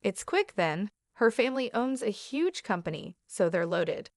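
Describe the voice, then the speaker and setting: A woman reads the part of a smug young ex-husband in a storybook tale, sneering and gloating as he boasts. The sound is dry and close, with no room around it. Her pitch sits in a middle range. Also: sing-song, unhurried, no echo. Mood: boastful.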